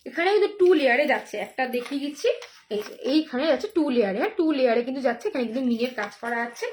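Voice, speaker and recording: A hoarse woman selling jewellery on a live stream, chatty and repetitive, with many fillers and drawn-out phrases. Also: high voice, lively intonation, slight background noise. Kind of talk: live sales pitch.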